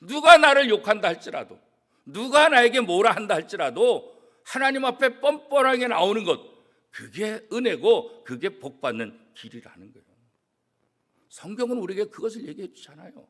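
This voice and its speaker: A man, a church pastor, preaching a sermon with strong emphasis, swinging from loud declarations to hushed, almost whispered asides. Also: sits high, big pitch swings, moderate pace. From South Korea. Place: church sanctuary.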